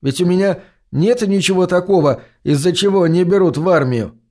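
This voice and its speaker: A man's voice: sits high, normal speed, darkish tone, pitched above the performer's own voice, lightly acted. A man reading an audiobook, voicing an anxious teenage boy who stammers and pleads.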